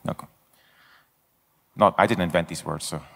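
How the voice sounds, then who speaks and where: A man's voice: sits low, a little slow, creaky, fairly bright tone. A middle-aged man giving a conference talk on stage with a handheld mic, speaking bluntly and candidly with self-mocking asides. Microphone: handheld microphone. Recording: long hall reverb.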